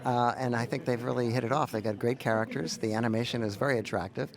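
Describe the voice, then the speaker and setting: Mid-pitched man giving interview answers. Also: steady tone, fast talker.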